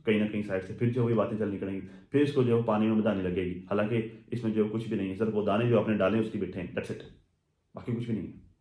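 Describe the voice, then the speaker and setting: Low-voiced man rambling commentary. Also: steady tone, quick pace, muffled recording. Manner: chatty, rambling with many fillers and asides. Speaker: social media commentator. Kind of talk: casual commentary vlog. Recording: echoey room.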